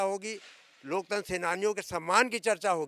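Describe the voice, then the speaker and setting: Bright and sharp in tone, a man with a high voice projects at a raised level with ordinary pitch variation, recorded dry and close with no echo over a very clean, silent background. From Rae Bareli, Uttar Pradesh. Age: 70s. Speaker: emergency-era activist. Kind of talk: interview. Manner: insistent, interrupting.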